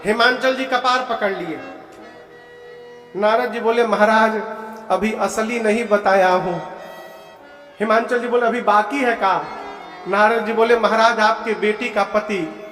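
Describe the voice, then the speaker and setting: A man with an Eastern Uttar Pradesh accent preaching a devotional sermon, telling the story, questioning the audience and chanting verses slowly. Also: high voice, fairly even intonation, fairly bright tone. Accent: Eastern Uttar Pradesh (Purvanchal). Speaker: kathavachak preacher. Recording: echoey hall with faint music.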